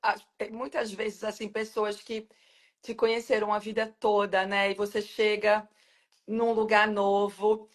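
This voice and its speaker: Female interview host with a mid-pitched voice, affirming and conversational, often adds "né?". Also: completely flat delivery, measured pace. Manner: affirming, builds on the guest's points with "né?".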